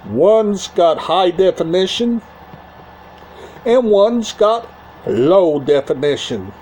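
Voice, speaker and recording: A man hosting a casual video, talking in short, halting phrases and often repeating himself. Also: high-pitched, very animated, darkish tone, a little hiss or hum. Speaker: YouTube channel host. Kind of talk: casual talk to camera about a media collection.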